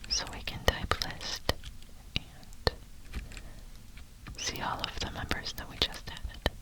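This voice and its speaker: Someone whispering real slow right up by your ear, asmr programming lesson, keys typing behind. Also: poor audio. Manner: whispering close to the ear, unvoiced; slow, deliberate delivery. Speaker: programming instructor. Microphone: close ear-to-ear stereo microphone. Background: computer keyboard typing.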